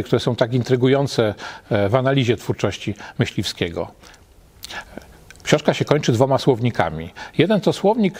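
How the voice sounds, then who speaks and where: A middle-aged man speaks with a steady, mid-range voice, unhurried and considered. He pauses often, filling gaps with soft hesitations as he searches for the right word. He sounds like a scholar talking through ideas in an empty lecture hall. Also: mid-range voice, husky. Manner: measured, thoughtful, pausing often with hesitations. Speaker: literary scholar. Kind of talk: reflective spoken commentary.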